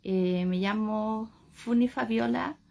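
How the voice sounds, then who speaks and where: A woman from Chile, reading a novel aloud in an unhurried, plain first-person way. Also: fairly high pitch, gravelly, dark tone. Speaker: volunteer audiobook reader. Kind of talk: audiobook reading.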